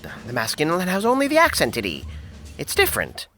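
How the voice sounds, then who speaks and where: A man playing a fussy, self-righteous, officious man in an audio drama, pedantic and halting, repeating his words. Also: a little high, wildly swooping pitch, pushed and bright, soft background music, heavily acted.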